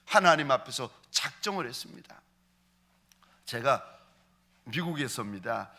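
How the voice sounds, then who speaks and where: A man preaching a sermon as a pastor, acting out quoted voices and slowing into prayer. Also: medium pitch, animated, pushed and bright. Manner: acts out quoted voices in his preaching, ends in slow prayer.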